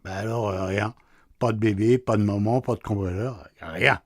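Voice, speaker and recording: A man's voice: lowish voice, normal speed, no room sound. An actor playing a sleepy, teasing husband in a radio play, answering his wife with dry sarcasm. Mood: grumpy, teasing. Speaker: husband woken at night.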